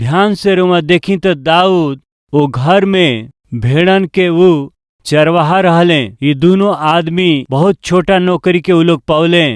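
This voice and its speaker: Very even loudness and ordinary pitch variation in a dry, close sound with no echo. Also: man, high pitch for a man. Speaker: pastor, preacher. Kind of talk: sermon preached to a congregation.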